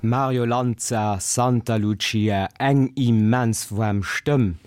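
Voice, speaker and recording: A man's voice: mid-range voice, fairly even intonation, slow pace, darkish tone. A man hosting a radio interview, giving short prompts and introducing music. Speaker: radio host.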